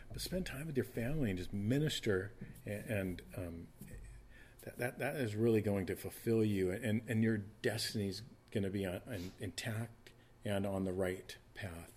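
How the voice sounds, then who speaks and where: A man in his fifties preaching a casual, conversational sermon, often restarting and repeating words. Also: on the low side. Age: 50s. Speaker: pastor.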